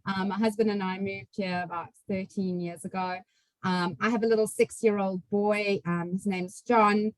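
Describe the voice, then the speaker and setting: A woman's voice: mid-range voice, fairly even intonation, moderate pace, no echo, poor audio. A woman with a strong South African accent, a finance chief telling a funny story on a video call. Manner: storytelling, laughs through anecdotes. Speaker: CFO, panelist.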